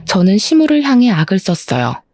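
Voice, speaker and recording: Mellow woman telling a confessional story. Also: mid-range voice, big pitch swings, a little fast, faint music behind. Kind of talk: scripted first-person story narration.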